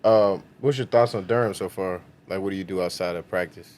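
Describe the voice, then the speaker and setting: A man's voice: deep voice, brisk, darkish tone, a little hiss or hum. A man hosting a podcast, asking short casual questions and affirming the guest briefly. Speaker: podcast host.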